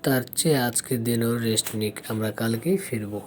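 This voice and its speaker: A blunt young man who says things straight to people's faces and teases them when they push back, read by a man narrating a storybook. The pitch sits at an ordinary middle height, only a little lifted from the reader's own voice. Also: normal speed, a little hiss or hum, natural voice. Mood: firm. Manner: blunt, teasing.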